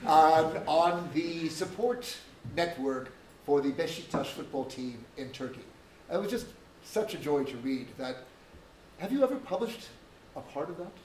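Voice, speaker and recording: A man's voice: fairly high pitch, animated, a little mellow, a little hiss or hum. Academic man introducing a speaker in a lecture room. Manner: measured, academic, dryly joking. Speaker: event host introducing a speaker. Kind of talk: formal spoken introduction. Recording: echoey room from far off.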